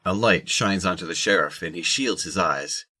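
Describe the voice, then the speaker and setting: A man's voice: deep voice, moderate pace, bright, forceful tone, breathy edge, no echo. A man narrating a scripted audio drama.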